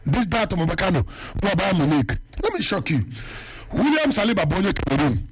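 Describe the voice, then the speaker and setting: A man's voice: high-pitched, sing-song, a little fast, a little hiss or hum. A man with a Nigerian Igbo accent hosting radio sports talk, rambling casually with many fillers and Igbo phrases.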